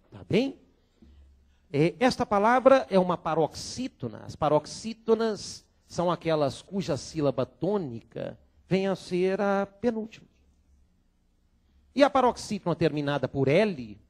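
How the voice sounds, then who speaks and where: Animated man lecturing on grammar. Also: high voice. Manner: animated, drills students with call-and-response repetition. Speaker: law exam teacher. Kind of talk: classroom lecture on Portuguese grammar. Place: lecture room filmed for a course.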